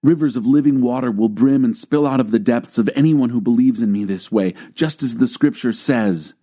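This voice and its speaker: A man as a bold, emphatic religious teacher, mellow. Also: medium pitch, moderate pace, voice pushed up, close to an everyday voice. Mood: proclaiming. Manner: emphatic, declarative, challenging. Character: male religious teacher, bold, challenging, insistent. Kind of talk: audiobook dramatized scripture reading.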